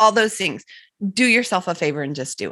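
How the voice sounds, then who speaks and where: With a bright, sharp tone and very wide pitch swings, a woman speaks at a medium pitch in a very clean recording with a silent background. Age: 50s. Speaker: nutritional health coach. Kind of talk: casual interview.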